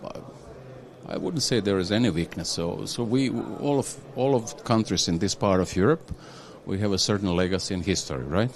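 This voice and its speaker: A man speaking as an executive guest, his voice sitting very low. He talks haltingly, restarting phrases and checking in with "yeah?". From Croatia. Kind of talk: conversational interview.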